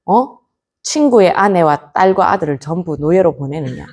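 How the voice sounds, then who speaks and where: A woman voicing a hot-tempered poor scholar who shouts furious threats while telling a folk tale. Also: a little high, expressive, normal speed.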